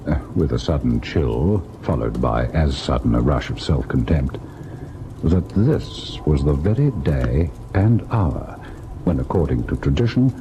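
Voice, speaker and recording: Casting: haunted devoted husband, low voice, expressive theatrical radio storytelling, slightly noisy old recording. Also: male voice, heavily acted. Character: devoted young husband narrating his terrifying ghost encounter. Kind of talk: dramatic old-time radio first-person narration.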